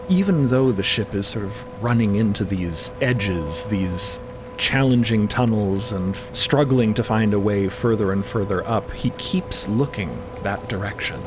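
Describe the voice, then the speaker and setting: A man's voice: expressive, measured pace. A man narrating a fiction podcast in dramatic present tense. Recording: background ship ambience and rumble.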